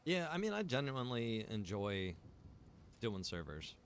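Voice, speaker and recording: A man giving casual live gaming commentary as a streamer, rambling and thinking out loud. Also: mid-range voice, big pitch swings, measured pace, slight background noise. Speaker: game streamer.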